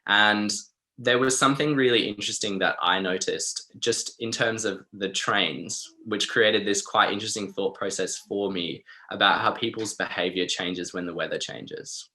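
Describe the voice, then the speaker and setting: Deep-voiced, bright Australian man presenting. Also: moderate pace, rough recording. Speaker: wellbeing webinar presenter. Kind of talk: informal webinar presentation.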